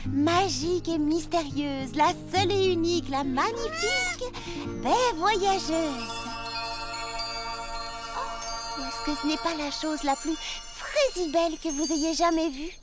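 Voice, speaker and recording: A woman's voice: very high-pitched, animated, slow pace, over loud music, full character voice. A woman voicing a cheerful, sweet little girl who leads adventures in a children's cartoon, exclamatory and earnest. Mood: amazed, delighted. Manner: bright-eyed, exclamatory, earnest. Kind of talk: animated children's cartoon dub.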